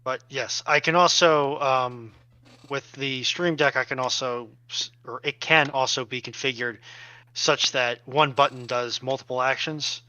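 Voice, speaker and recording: A man's voice: medium pitch, steady tone, measured pace, pushed and bright, no echo. A man chatting casually as a livestream panellist, heard over slightly lo-fi voice-chat audio. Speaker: livestream panellist and tech helper.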